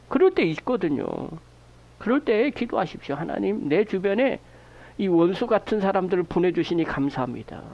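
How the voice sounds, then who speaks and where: A male pastor preaching in a church, his pitch swinging up and down as he fires rhetorical questions at the congregation and acts out the words of prayers. The sound is dull and lo-fi, like a modest church recording. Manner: animated preaching, acts out prayers and quoted remarks. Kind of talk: sermon. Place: church sanctuary.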